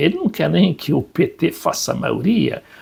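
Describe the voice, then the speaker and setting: A man speaking at a very slow pace over noticeable background noise. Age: 70s. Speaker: political commentator. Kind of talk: news commentary reading article.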